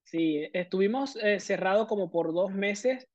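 In a casual interview, a thirtyish Venezuelan prosthodontist describes his career at length, full of fillers, in a Venezuelan accent. His voice is high-pitched and darkish at a measured pace, captured in a dry, muffled recording.

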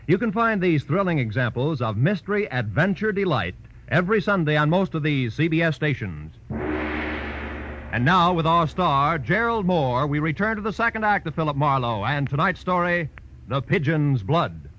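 Old timey american radio announcer guy, very animated and grand, muffled recording. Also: fairly high pitch, normal speed, background noise. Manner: grand, emphatic. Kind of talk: 1940s-50s radio announcing, scripted promo.

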